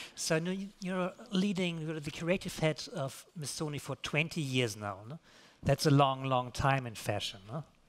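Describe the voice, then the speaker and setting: Here a man speaks in a German accent. His fairly high voice has lively intonation. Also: moderate pace. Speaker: magazine style editor, interviewer. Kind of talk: on-stage interview. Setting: stage with audience.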